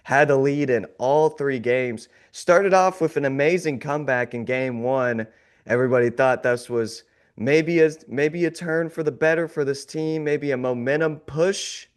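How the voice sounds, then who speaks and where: Unhurried and smooth, a man with a mid-range voice hosts a casual sports podcast, still sounding a little off from a recent illness. He comes across glum yet wry, sarcastically laughing off his low mood.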